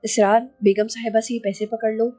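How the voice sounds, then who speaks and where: Greedy old male sorcerer, read by a woman, boastful and threatening, mellow dark tone, faint music behind, audio novel. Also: a little high, little pitch movement, close to an everyday voice. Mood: scheming. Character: scheming older male sorcerer, greedy and menacing.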